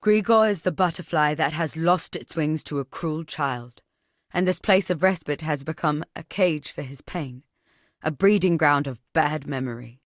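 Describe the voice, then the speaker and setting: A solemn, watchful tribal woman , played by an actress, speaks as a video game ally. Her voice sits somewhat low for a woman. She tells things in measured, poetic phrases with an earnest weight, recorded very dry, without room sound. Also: no echo, close to an everyday voice. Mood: sorrowful. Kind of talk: scripted video game character dialogue.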